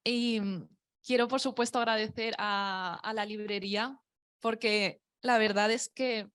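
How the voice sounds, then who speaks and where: A woman's voice: fairly high pitch, fairly even intonation, unhurried, a bit bright, smooth. A woman from Spain, a poet, speaking on a panel. She sounds nervous and hesitant, with many fillers. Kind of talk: unscripted panel talk. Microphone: microphone at a public talk.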